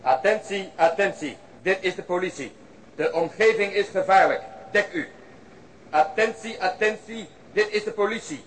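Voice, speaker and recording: A man's voice: high voice, normal speed, a bit bright. An actor in a Dutch radio drama playing an urgent policeman calling out public warnings. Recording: distant, faintly noisy announcement.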